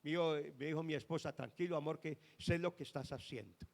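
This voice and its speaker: Middle-aged male pastor, impassioned sermon delivery, higher voice, long church reverb. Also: fast, darkish tone. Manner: impassioned preaching with emphatic bursts. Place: church hall.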